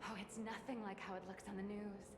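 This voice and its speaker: A woman's voice: mid-range voice, level tone, brisk, close to an everyday voice. A woman playing an awestruck, apologetic female fan in a video game, with a dreamy delivery. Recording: echo, very noisy game audio.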